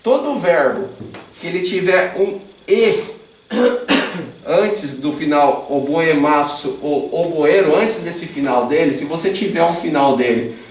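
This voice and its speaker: A man's voice: a little high, slow pace, far from the mic. A Brazilian man teaches in a slightly raised voice. He sounds patient and chatty, checks in with his listeners often, and fixes his own words as he goes. He stands a few steps from the mic in an echoey room with a faint hum behind him. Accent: Brazilian Portuguese. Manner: patient and chatty, asks the class questions and tags sentences with a questioning "né?"; corrects himself mid-sentence while writing on the board. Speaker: Japanese teacher. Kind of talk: explaining grammar in an informal online class.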